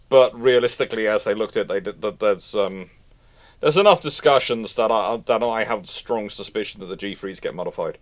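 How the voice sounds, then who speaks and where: This fairly low, slightly bright voice belongs to a British man from the United Kingdom hosting a live Q&A stream. He talks informally and expansively, offering opinionated expert commentary and repeating himself.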